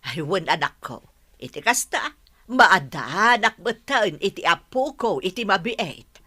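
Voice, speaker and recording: A woman voicing a stern older mother in an audio drama, sharp when scolding and fond with her children. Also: mid-range voice, animated, a little slow, husky, heavily acted.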